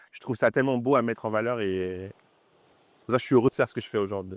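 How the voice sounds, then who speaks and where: A man at a medium pitch rushes along at a very fast pace, his intonation fairly even. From French Guiana, Cayenne. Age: 30s. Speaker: stylist and makeup artist. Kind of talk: casual interview. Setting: outdoors on a beach.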